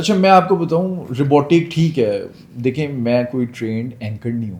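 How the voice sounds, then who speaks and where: Somewhat breathy and fairly high-pitched, a man speaks with lively intonation. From Pakistan, Lahore. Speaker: digital journalist and show anchor. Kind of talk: podcast interview. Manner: talkative, speaks at length; sometimes stiff and robotic on camera.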